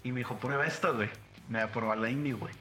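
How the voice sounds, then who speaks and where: A man's voice: mid-range voice, very fast, bright, forceful tone. A young Mexican man with a Mexican Spanish accent, hosting a podcast and telling crude, slang-heavy stories while acting out the quotes. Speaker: podcast host. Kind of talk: casual chat. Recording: roomy room with music behind.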